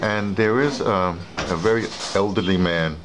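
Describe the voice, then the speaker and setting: A man's voice: sits low, measured pace, crowd noise. A man interviewing a guest, asking rambling questions full of hesitations and fillers. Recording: noisy room ambience.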